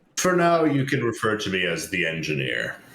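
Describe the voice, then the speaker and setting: Putting on a character voice, a man talks at a fairly quick pace and fairly low pitch, with very wide pitch swings. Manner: cold, anonymous.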